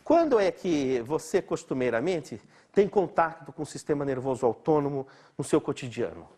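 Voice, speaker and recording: A man's voice: a little high, sing-song, moderate pace, mellow, breathy edge. A middle-aged man from Brazil giving a chatty, informal lecture, laughing often and asking his listeners rhetorical questions. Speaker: doctor lecturing.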